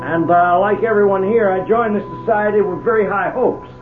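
A man's voice: sits high, fairly even intonation, moderate pace, over music, natural voice. An actor playing a nervous, doubting businessman with a hesitant, stammering manner in a 1970s radio drama. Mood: uneasy, doubting. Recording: tinny, noisy 1970s radio recording.

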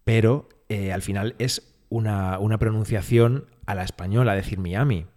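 Mellow spain-accent guy on a podcast, kinda low, explains stuff, teasing. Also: moderate pace. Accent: Spain Spanish. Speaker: podcast co-host. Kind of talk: casual chat. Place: small home studio with some echo.

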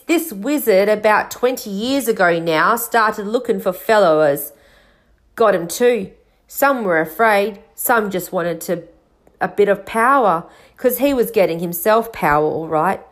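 A woman plays a big, gruff man from a children's storybook. He is kind-hearted and quick to feel things deeply. His speech is folksy and rambling, with dropped consonants. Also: close to an everyday voice. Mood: grave, reluctant.

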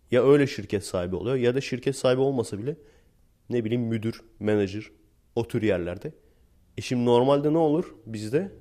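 Young man, low mellow voice, chatty wry storyteller, casual vlog delivery. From Turkey. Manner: chatty, wry, laughs while telling anecdotes. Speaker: teacher.

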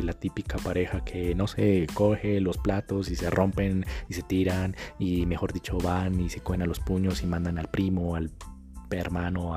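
A Colombian man talking casually in a storytelling monologue, full of crude slang, swinging between loud bursts and muttering. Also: low voice. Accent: Colombian Spanish. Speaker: vlogger.

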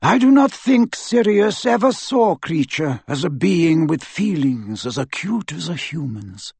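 A man's voice: a little high, very animated, a little slow, vocal fry, darkish tone, husky, dry recording, pitched above the performer's own voice, heavily acted. A man voicing a wise old wizard, solemn.

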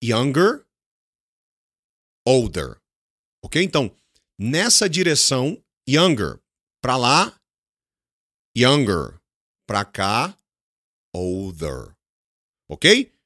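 A Brazilian man, a native Portuguese speaker with a Brazilian accent, teaches an English lesson at a very slow pace. His pitch swings widely as he repeats words and asks questions, then answers them himself. The recording is close and dry. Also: wildly swooping pitch, fairly bright tone, no room sound.

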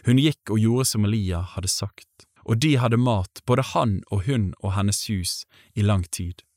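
Man reading bible passages, low voice, slow steady delivery, totally dry studio sound. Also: no echo. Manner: measured, even reading. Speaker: Bible reader. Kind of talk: scripted scripture reading.

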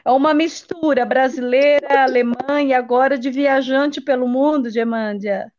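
A woman with a high voice interviews children in a casual chat. She reacts with encouraging exclamations. The recording is a little dull and lo-fi. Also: fairly even intonation, normal speed, a little mellow.

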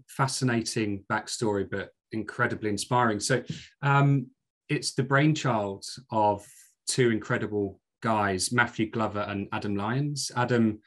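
A middle-aged man with a Scottish accent, speaking as a podcast guest in an earnest, hesitant way. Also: fairly low pitch. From Scotland. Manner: earnest, with frequent fillers and restarts. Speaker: guest, commercial director. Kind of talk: podcast interview.

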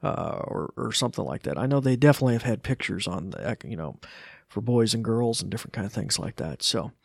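A man's voice: fairly low pitch, lively intonation, fast talker, vocal fry, husky, no room sound, studio quality. A man giving a casual live tech demo, informal and hesitant, easily amused. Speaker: tech demonstrator.

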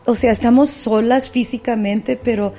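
A woman with a warm, gravelly voice speaks as a podcast guest. She tells her faith testimony with the fervor of a preacher, pausing often on fillers. A faint hiss sits under the audio. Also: fairly high pitch, steady tone. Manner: fervent, preacher-like, with many fillers.

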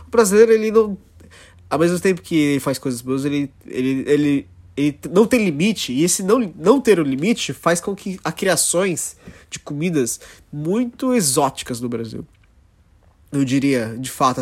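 A man from São Paulo with a São Paulo accent, hosting a casual solo podcast and rambling with slang and self-interruptions. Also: medium pitch. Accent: São Paulo Brazilian Portuguese. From São Paulo, Brazil. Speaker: podcast host.

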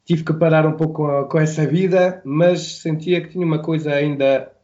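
Man, Belgian, French accent in Portuguese, native French speaker, high-ish mellow voice, halting, muffled lo-fi audio. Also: steady tone. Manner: halting, restarts words, acts out quoted dialogue. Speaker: music producer guest. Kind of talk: radio interview.

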